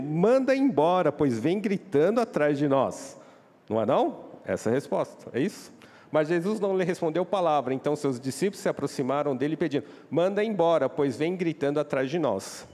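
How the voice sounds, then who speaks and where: Male Brazilian preacher, lively and animated pitch, church reverb. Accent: Brazilian Portuguese. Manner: questions the congregation, acts out quoted voices. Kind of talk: sermon. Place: church hall.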